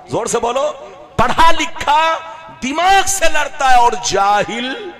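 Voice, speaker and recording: A man preaching a sermon who keeps calling on the audience to shout replies. He swings between loud declamation and soft, sing-song phrases. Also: high-pitched. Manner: call-and-response, urging the crowd to repeat loudly.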